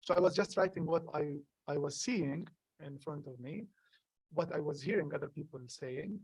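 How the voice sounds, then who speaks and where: A young man from Gaza whose first language is Arabic, a poet answering questions at a live event, halting and earnest with many restarts. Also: fairly high pitch, a little mellow, husky, dry recording, poor audio. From Gaza, Palestine. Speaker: poet, guest. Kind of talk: live conversation at a public event.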